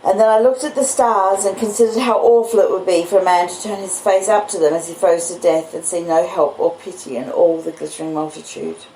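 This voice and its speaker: A woman's voice: lowish voice, fairly even intonation, fairly quick, few pauses, mellow, echoey room, slight background noise, rough recording. A woman with an Australian accent reading a classic novel aloud as scripted storybook narration. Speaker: audiobook reader.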